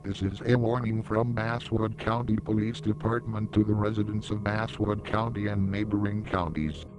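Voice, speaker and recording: A man playing a grave police announcer reading a slow, formal, deadpan public warning in a horror film. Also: fairly low pitch, music in the background, lightly acted, rough recording. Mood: grave, ominous.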